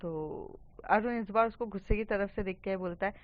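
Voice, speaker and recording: A woman's voice: mid-range voice, moderate pace, muffled recording. A young woman telling a school love story in a plain, conversational way. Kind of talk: casual story narration.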